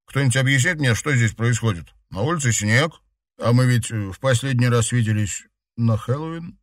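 A man's voice: medium pitch, moderate pace, no room sound, clean studio sound, close to an everyday voice. A man as a dazed, teasing young man. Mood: bemused.

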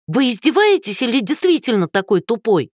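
Cranky old neighbor woman, shrill and hoarse, put on by the narrator; dry booth recording. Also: big pitch swings, measured pace, fairly bright tone, no echo, exaggerated voice. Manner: shrill, scolding, hoarse cackle.

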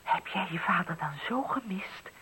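A woman's voice: fairly low pitch, animated, moderate pace, sharp tone, husky, whispered, full character voice, low-quality recording. An actress playing an anxious, wounded, proud single mother in a Dutch radio play, with pleading, dramatic delivery.

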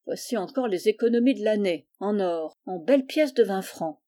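A woman reading aloud voices a stingy, cruel older woman who scolds loudly and sharply. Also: medium pitch, lively intonation, moderate pace, close to an everyday voice. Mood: fretful scheming.

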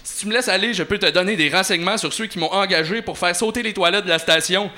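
A man doing a jittery young slacker vandal. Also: fast. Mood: pleading. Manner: slangy, bargaining, high and excited. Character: young slacker male vandal, panicky and pleading.

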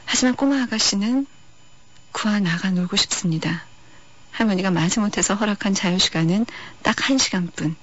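A woman hosting a radio film-music show, talking about films in a calm, reflective, unhurried way. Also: medium pitch. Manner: calm, reflective, unhurried delivery with soft pauses. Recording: dull lo-fi radio archive.

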